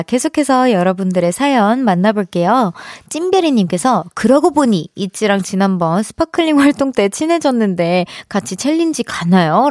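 A woman's voice: mid-range voice, a little mellow, dry recording. Young female radio host, chatty, giggly, reads listener messages; dry studio mic. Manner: chatty, laughs often between stories.

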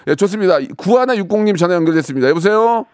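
A man's voice: high voice, expressive, racing, a little mellow, no echo, clean studio sound. A male radio host chatting casually and teasingly with callers. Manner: joking, rambling, teasing.

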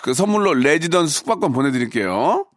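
A man's voice: a little high, big pitch swings, fast, no echo, clean studio sound. Playful man hosting a radio call-in. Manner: playful, teasing, coaching with loud bursts. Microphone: studio microphone.

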